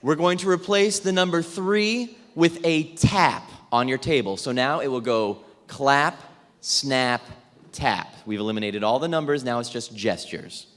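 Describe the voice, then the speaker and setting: A man facilitating a theatre warm-up exercise for a room of people, upbeat and jokey as he gives instructions. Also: mid-range voice, unhurried. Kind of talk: leading a group warm-up exercise for an audience. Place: large indoor event room with tables. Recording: echoey hall with long reverb.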